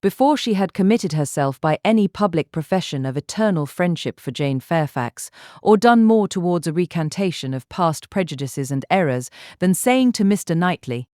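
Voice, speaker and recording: A woman reading scripted literary narration as an audiobook narrator in a measured, articulate way. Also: fairly low pitch, lively intonation, dry recording, studio quality. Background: soft instrumental music.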